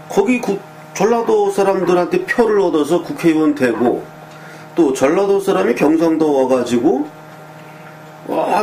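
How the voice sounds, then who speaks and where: A man with a somewhat high pitch and a soft, mellow tone gives casual commentary to his listeners. He talks loosely, drops fillers and little affirming asides, and pushes his critical points hard. A faint hum sits under the recording. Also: low-quality recording. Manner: pointed, sharply critical opinions. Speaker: political commentator.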